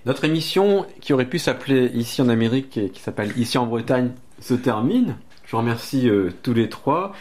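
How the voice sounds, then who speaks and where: Man, radio host, measured, hesitant. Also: mid-range voice, animated, a little mellow. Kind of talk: radio interview hosting.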